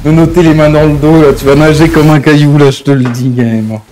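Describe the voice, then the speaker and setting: A streamer plays a gang member in a GTA roleplay, chatting in character in a brash, slangy way, swearing often and repeating a verbal tic. His voice is fairly high, steady, quick and a little mellow, in a low-quality recording with some hiss or hum.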